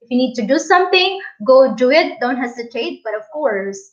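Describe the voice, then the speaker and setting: A young Filipina English teacher hosting a casual live stream from a small room, chatting with viewers and reading their comments aloud. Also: female voice, sits high, animated, moderate pace, highs cut off. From Philippines.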